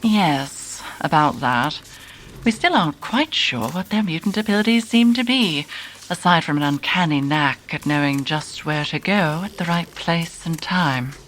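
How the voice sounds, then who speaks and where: An actress playing a poised, haughty telepath, cool, arch and dry, in an audio drama. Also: female voice, low-pitched, animated, measured pace, a bit bright, a little hiss or hum, poor audio. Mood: reluctant, dry. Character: poised, haughty, wry telepathic aesthete woman.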